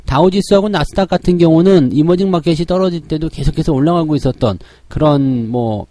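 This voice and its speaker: A man with a slightly hoarse voice giving a daily stock market briefing, explaining each point step by step. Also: a little high, fairly quick, mellow, no room sound. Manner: explanatory, frequent "자" openers.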